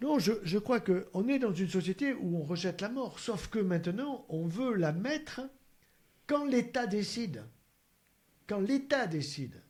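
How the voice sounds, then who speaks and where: A man's high-pitched voice with very wide pitch swings, a fairly slow pace and long, frequent pauses. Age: 70s. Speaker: cancer surgeon and author. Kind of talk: interview conversation.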